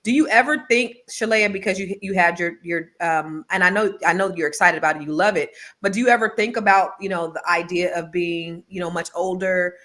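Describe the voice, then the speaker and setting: A woman hosting a casual talk show, chatty and animated, telling stories with quick restarts. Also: fairly low pitch. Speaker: podcast host. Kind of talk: casual chat.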